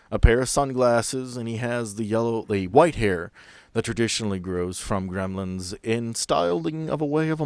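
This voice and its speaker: Lowish-voiced man narrating a tabletop game. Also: no room sound. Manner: storytelling, descriptive. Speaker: game master of a horror tabletop podcast. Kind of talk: improvised scene narration.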